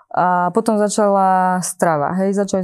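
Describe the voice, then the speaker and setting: Against a quiet background, a woman with a fairly low pitch and a dark, mellow tone speaks in a monotone, flat way. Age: young. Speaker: interview guest. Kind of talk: testimony.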